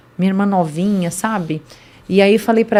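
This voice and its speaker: Her pitch medium and her intonation fairly even, a woman talks at a fairly quick pace. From Brazil, northern Minas Gerais near Bahia border. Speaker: lawyer and mayor's wife, podcast guest. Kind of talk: interview, life story.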